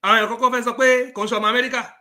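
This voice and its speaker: Fast, bright-voiced Yoruba-accented man. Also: very high-pitched, little pitch movement. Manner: emphatic, switching between Yoruba and English. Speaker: talk show guest. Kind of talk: political talk show discussion.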